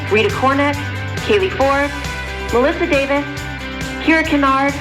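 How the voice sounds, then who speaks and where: A woman making a formal school announcement over the loudspeaker, calmly reading out a list of students' names. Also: sits high, moderate pace. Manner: calm, official, reads out a list of names. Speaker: show designer. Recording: echoey loudspeaker sound. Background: loud music.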